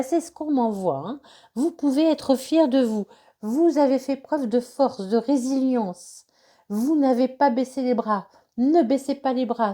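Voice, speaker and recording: Woman tarot reader, stuffy from a cold, mellow higher voice, halting and repetitive delivery. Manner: hesitant, many fillers and repetitions. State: has a cold. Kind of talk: tarot reading guidance.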